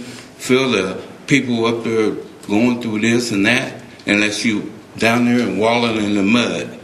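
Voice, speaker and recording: A man speaking at a city council public comment, emotional, halting and earnest, with many restarts. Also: lowish voice, fairly bright tone. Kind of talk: public comment, unscripted plea. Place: council chamber. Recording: echoey council chamber, faint noise.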